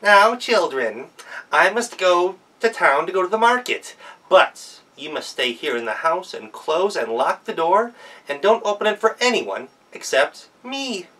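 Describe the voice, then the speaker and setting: Mother goat, high and fretful, firm with her kids, as a man puts her on, heard from a distance. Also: very animated, measured pace, bright, forceful tone, exaggerated voice. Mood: warning. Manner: firm, warning tone.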